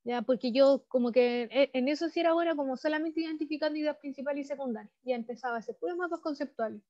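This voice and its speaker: High-voiced Chilean teacher on a call. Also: female voice, quick pace, a little mellow. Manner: frequent tag questions, explanatory. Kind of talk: online class lecture. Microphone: video call. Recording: dull lo-fi video call audio.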